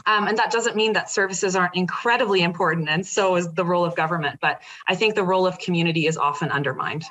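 A guest from a women's center, a Dutch woman in her thirties, talks in a relaxed, casual interview. She sounds thoughtful and halting, with many fillers and restarts, in a lowish voice.

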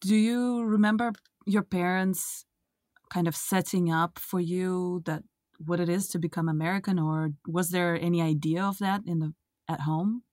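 Low-voiced woman interviewer, dry sound. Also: steady tone, moderate pace, darkish tone, dry recording. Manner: reflective, asks thoughtful questions. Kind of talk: conversational interview.

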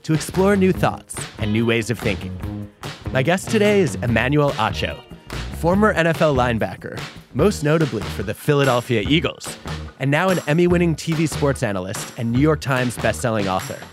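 A man's voice: mid-range voice, big pitch swings, moderate pace, over music. A man hosting an interview podcast who asks questions with curious enthusiasm. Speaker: podcast host, psychologist.

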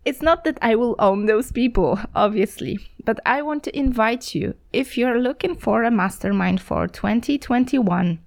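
A woman's voice: a little high, moderate pace, vocal fry, hardly any pauses. Chatty woman podcast host. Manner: enthusiastic, chatty, laughs easily. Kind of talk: casual podcast interview.

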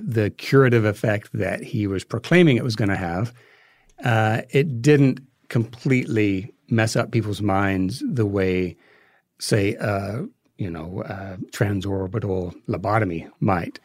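A man's voice: fairly low pitch, slow pace, a little mellow, no room sound, clean studio sound. A man giving a conversational explanation as an interview guest, choosing his words hesitantly and thoughtfully. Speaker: interview guest, filmmaker and podcast creator.

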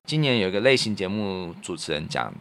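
A man's voice: low voice, big pitch swings, fairly quick, fairly bright tone. A man with a Taiwanese Mandarin accent co-hosting a podcast, telling stories casually in an earnest, reflective, colloquial way. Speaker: podcast co-host and radio professional. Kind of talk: casual conversational storytelling.

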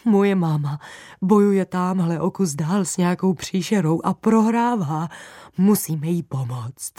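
A woman's voice: on the low side, dark tone, dry recording, studio quality, lightly acted. A woman voicing a frightened young male spider in a children's audio story, begging for help in a panic. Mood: pleading. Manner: pleading, panicked.

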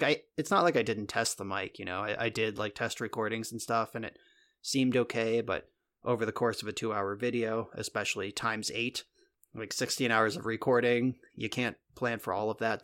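This man's voice sits on the low side, a bit bright, at a moderate pace. Co-hosting a podcast from a converted guest bedroom on a podcast mic, he tells a meandering story in relaxed chat and swears now and then.

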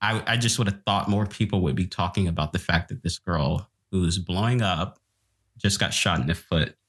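A man co-hosting a casual chat, trading gossip in a teasing, animated way. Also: low-pitched, moderate pace.

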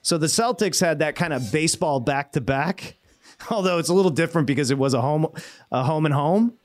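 A man hosting a sports betting show, talking casually in an animated, ranting way with quick asides. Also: on the high side. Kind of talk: casual sports radio talk.

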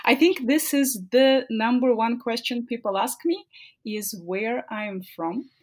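A woman's voice: a little high, measured pace, a little mellow. A middle-aged woman from Russia with a Russian accent, a cooking teacher talking animatedly in an interview and laughing often. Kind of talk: conversational interview.

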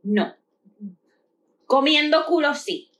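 A woman co-hosting a podcast, speaking bluntly and crudely in casual chat with frequent loud bursts of laughter. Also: high-pitched, animated, slow pace. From Puerto Rico. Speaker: podcast co-host.

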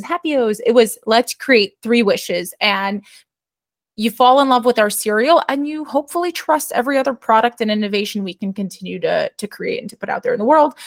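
A woman guest in an interview, a company co-founder speaking confidently and finishing her partner's sentences. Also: on the high side. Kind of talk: casual interview answers.

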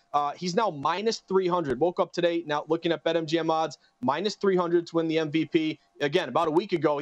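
Fast-talking betting analyst on a dull line. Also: male voice, fairly high pitch, dry recording. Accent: slight Boston. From western Massachusetts. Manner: brisk, number-heavy, upbeat. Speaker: sports betting analyst guest. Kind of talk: rapid betting rundown. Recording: dry, dull remote line.

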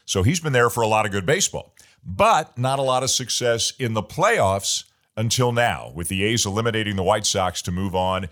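A man in his fifties hosts a sports interview with a somewhat low voice. His questions are friendly and measured, and he leads the conversation steadily. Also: animated, a bit bright. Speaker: sports radio host. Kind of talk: interview hosting.

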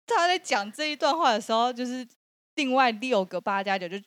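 A woman, co-hosting a podcast and retelling a story in a lively, laughing way. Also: a little high, fairly quick, dry recording. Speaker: podcast co-host. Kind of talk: casual storytelling chat.

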